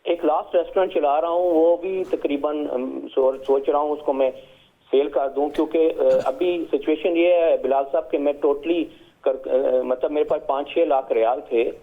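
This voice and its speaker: A man's voice: a little high, steady tone. A middle-aged man from Pakistan, calling in to a show and speaking hesitantly with many fillers and English words. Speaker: caller. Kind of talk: phone-in call to a TV show. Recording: tinny phone line.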